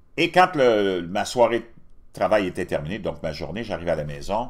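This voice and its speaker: A man speaks with a Quebec accent. His intonation is lively. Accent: Québécois French. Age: 60s. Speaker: YouTuber and waiter. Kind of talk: personal monologue vlog. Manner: conversational, repetitive with fillers.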